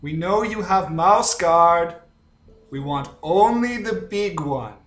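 Man doing weasel boss, broken clipped threats, pitched up a touch, roomy echo. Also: slow pace, fairly bright tone. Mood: menacing. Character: menacing male weasel leader speaking broken speech. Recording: roomy echoey room.

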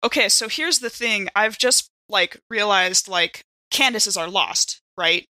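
A woman with a bright, forward voice talks as a player in a tabletop game. She speaks informally and haltingly, working out moves aloud, in a very dry recording. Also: medium pitch, no room sound. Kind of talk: casual in-game chat.

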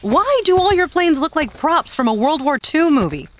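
A woman's voice: high-pitched, big pitch swings, moderate pace, a little hiss or hum. A woman playing a feisty, skeptical journalist in an adventure audio drama, emphatic and exasperated. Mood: indignant. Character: skeptical, feisty female journalist reluctantly joining treasure hunters.

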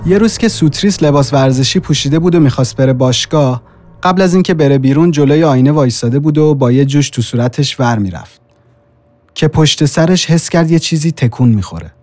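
A man's voice: on the high side, animated, no room sound. A man reading a scripted horror story with dramatic, suspenseful delivery. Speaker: narrator. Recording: soft music bed behind the voice.

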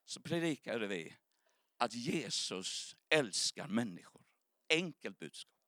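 A man's voice: medium pitch, sing-song, sharp tone, no echo, studio quality. A man preaching a sermon, telling an earnest, emotional story as testimony.

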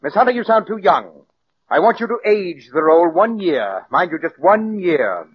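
A cold sarcastic radio director. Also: male voice, high-pitched, sing-song, normal speed, breathy edge, full character voice. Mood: cutting. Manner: cold, condescending, cutting. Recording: dull old radio broadcast with hiss.

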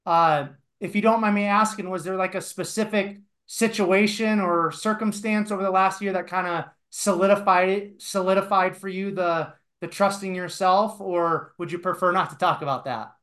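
A man's voice: high voice, fairly even intonation, normal speed, hardly any pauses, a bit bright. A man hosting a podcast, asking long questions with many fillers and polite asides. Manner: hesitant, lots of fillers, polite. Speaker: podcast host. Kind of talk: casual podcast interview.

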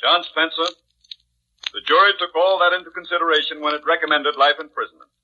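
Stern judge, highish sharp voice, husky, old dull radio drama recording. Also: male voice, level tone, fairly quick. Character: stern, unbending male judge passing sentence. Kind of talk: 1940s radio drama acting.

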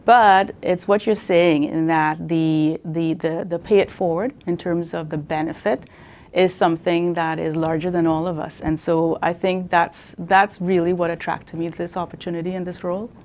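A woman from Trinidad with a notably low voice talks as an interview guest. She answers earnestly and thoughtfully, pausing on ums and restarting phrases as she finds her words. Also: fairly even intonation, a little mellow. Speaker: guest, nonprofit CEO.

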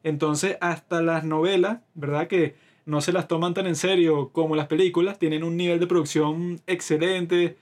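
A man's voice: a little high, fairly even intonation, moderate pace. A man with a Venezuelan accent chatting casually as a podcast co-host, talkative, slangy and opinionated. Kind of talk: casual chat.

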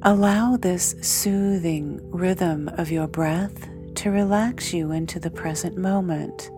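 A woman guides a meditation in a slightly low voice, very slowly and soothingly, using short, measured phrases separated by long pauses. Clear meditation music with singing bowl tones plays in the background.

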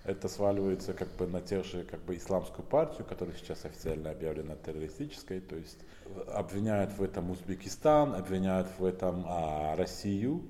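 A man from Tajikistan speaking Russian as a second language with a Central Asian Tajik accent, explaining things in an informal interview in a halting, repetitive way full of fillers. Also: deep voice, dark tone. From northern Tajikistan. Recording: roomy hall with long reverb.

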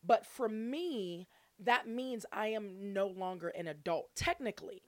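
A forty-year-old woman hosts a casual solo podcast, talking straight to her listeners in an exuberant, playful, chummy way. Her voice is mid-range and unhurried, with no room sound.

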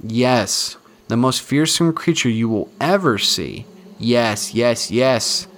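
A man's voice: mid-range voice, expressive, slow pace, a little hiss or hum. A man voicing a frightened but defiant young girl in a spooky storybook reading. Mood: sobbing. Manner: tearful, sharp.

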